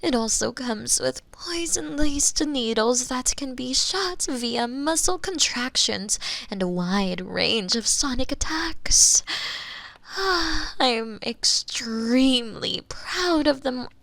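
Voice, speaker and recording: A woman playing a smug, menacing female mad scientist in a theatrical ASMR roleplay, condescending and sometimes breathy, close on a binaural microphone. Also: high voice, lively intonation, slow pace, a bit bright, no room sound, full character voice, rough recording. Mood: proud. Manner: theatrical, condescending, sighing, slipping into breathy whispers. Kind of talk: roleplay ASMR monologue, spoken to the listener.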